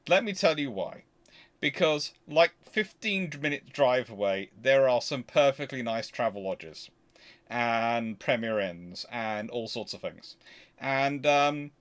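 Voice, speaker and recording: A man's voice: mid-range voice, lively intonation, a bit bright. British man, rambling livestream host. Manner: rambling, halting, repeats and rephrases himself. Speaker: livestream host answering audience questions. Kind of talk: casual Q&A livestream chat.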